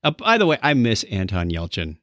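A man in a casual film discussion, animated and joking, who stammers and restarts his sentences. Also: fairly low pitch, brisk, no room sound, studio quality.

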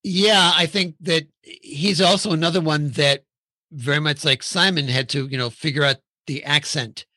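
A man's voice: fairly high pitch, fairly even intonation, normal speed, sharp tone, no echo. A man hosting a casual film discussion, steering the talk and thinking aloud with restarts.

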